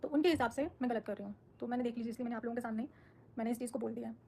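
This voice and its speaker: A woman's voice: a little high, steady tone, rapid-fire, gravelly, warm tone, slight background noise. A woman on a live stream, answering her viewers' comments in a firm, defensive, outspoken way. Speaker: social media creator on a live stream.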